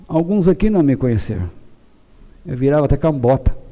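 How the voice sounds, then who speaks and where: A middle-aged man with a Brazilian Portuguese accent, preaching a passionate sermon as pastor, shouting at peaks and then dropping low and calm. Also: fairly quick.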